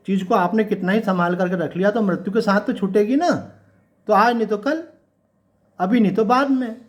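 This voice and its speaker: Male swami, fairly high voice, chatty scripture sermon, asks the room questions, drawls out verses. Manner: conversational, asks the listeners rhetorical questions; recites couplets slowly and drawn out. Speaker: swami giving a Gita discourse. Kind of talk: devotional sermon.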